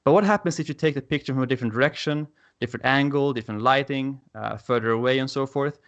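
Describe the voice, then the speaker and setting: A man with a Swedish accent walks through a technical talk on a video call. He sounds eager and keen about his subject, and he fills his pauses with "uh". His voice sits at an ordinary middle pitch. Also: fairly bright tone, lo-fi sound. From Sweden. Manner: enthusiastic, frequent "uh" fillers. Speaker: conference speaker. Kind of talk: technical presentation.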